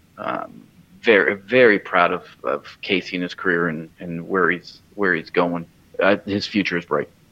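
With fairly even intonation, a man speaks at a very deep, low pitch. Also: moderate pace. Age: 40s. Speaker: pro wrestling figure. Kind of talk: casual interview.

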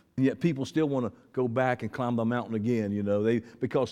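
A man speaks in a Southern US accent with a dark, mellow tone. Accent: US South. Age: 60s. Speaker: preacher. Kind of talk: sermon. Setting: church.

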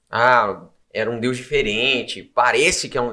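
This man speaks at a medium pitch with a bright, sharp tone. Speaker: podcast co-host.

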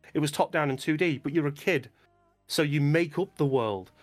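Music plays in the background. A man talks at a fairly quick pace in a fairly high pitch, with ordinary variation. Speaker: film teacher. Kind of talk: casual chat.

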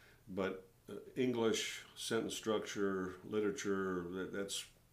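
A man with an American accent talks at a fairly slow pace and a fairly low pitch. His intonation is fairly even, in an ordinary speaking voice. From Minnesota. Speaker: songwriter and recording artist. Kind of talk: casual chat.

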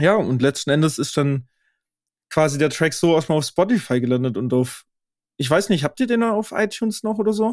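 Very wide pitch swings in a fairly high male voice, recorded very cleanly against a silent background. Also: moderate pace. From Swabia, southern Germany (Baden-Württemberg), village. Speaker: podcast co-host. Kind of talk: casual chat.

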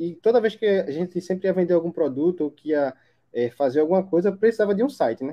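A man speaks at a very fast pace. His pitch is high and his intonation lively. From Brazil, Pernambuco (Carpina). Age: 20s. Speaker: student web designer. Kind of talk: casual interview. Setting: live stream video call.

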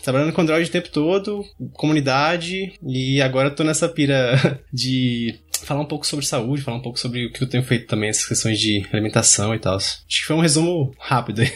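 Here a man speaks fairly quickly with a Brazilian accent. His pitch is fairly high, with ordinary pitch variation. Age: 30s. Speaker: software developer. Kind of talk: casual interview.

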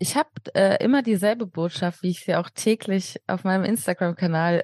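Against a quiet background, a woman with a medium pitch and a dark, mellow tone speaks with ordinary pitch variation in a dry, close sound with no echo. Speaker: model. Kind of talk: casual chat.

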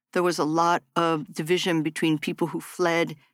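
A woman speaks at a moderate pace in an American accent, her pitch fairly low and her intonation monotone and flat. The recording is very clean with a silent background, and the sound is dry and close with no echo. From United States. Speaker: war journalist and writer. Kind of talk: interview.

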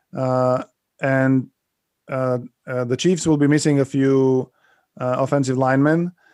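In a Slovak accent, a man speaks at a very slow pace with a medium pitch, monotone, flat intonation, very even loudness, and long, frequent pauses, recorded very cleanly against a silent background with a dry, close sound and no echo. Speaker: sports podcast host. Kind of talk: casual chat. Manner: halting.

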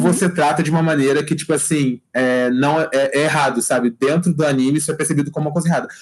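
Fairly even intonation marks this normal speaking voice as it moves along at a fairly quick pace. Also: man. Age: 20s. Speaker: anime podcast co-host. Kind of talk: casual chat.

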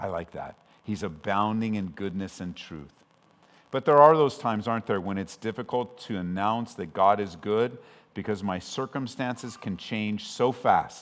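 With an American accent and a fairly low pitch, a man talks at a moderate pace, his pitch varying in an ordinary way while his loudness swings widely. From Southern California. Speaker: pastor. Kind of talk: sermon.

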